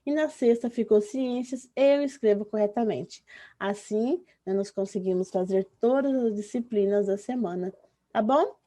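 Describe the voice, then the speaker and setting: A woman with a Brazilian Portuguese accent, a primary school teacher giving an online lesson to young children. She stretches out words slowly when spelling and keeps checking in with "tá?" and "né?" in an affectionate way. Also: medium pitch, dark tone.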